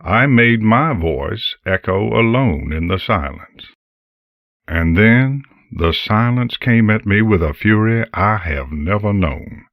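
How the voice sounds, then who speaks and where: Man voicing a slow, gravelly, mournful ancient entity. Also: fairly low pitch, expressive, no echo, lo-fi sound. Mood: grieving. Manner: slow, solemn, measured storytelling with long pauses. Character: ancient lonely broadcasting entity, mournful and grave, once part of a choir. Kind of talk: dramatic monologue in an audio horror fiction reading.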